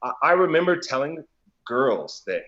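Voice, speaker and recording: A man from Colorado chats as a guest in a relaxed conversation. He rambles with filler words, swears freely and laughs easily. His voice sits at an ordinary pitch, and the recording sounds somewhat dull and lo-fi. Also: normal speed. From Colorado, USA. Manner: loose and profane, many "like" fillers, laughs easily. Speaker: guest, DJ and business owner. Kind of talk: casual conversation.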